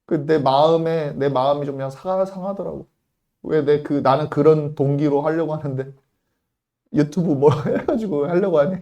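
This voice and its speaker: Male pastor, mellow tone, emphatic sermon delivery with loud-soft swings. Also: fairly high pitch, moderate pace, highs cut off. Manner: emphatic preaching, swings between loud acted quotes and quiet asides.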